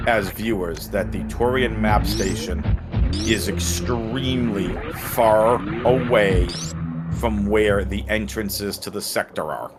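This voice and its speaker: A man's voice: fairly low pitch, slow pace, loud music behind the voice. Boston-accented man calling a speedrun race. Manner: playful, jokey play-by-play. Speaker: tournament commentator. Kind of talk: live esports commentary.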